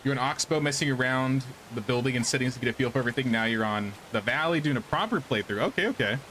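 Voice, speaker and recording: A man's voice: mid-range voice, fast, a bit bright, slight background noise, low-quality recording. Casual man streaming a game. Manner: thinks aloud, changes his mind, answers chat. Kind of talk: casual live gameplay commentary.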